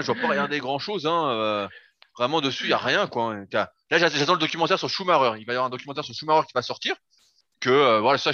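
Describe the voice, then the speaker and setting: A man's voice: mid-range voice, pushed and bright, dry recording. A man co-hosting a sports podcast, giving blunt, grumbling opinions in casual chat. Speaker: podcast co-host. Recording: dry, dull lo-fi sound.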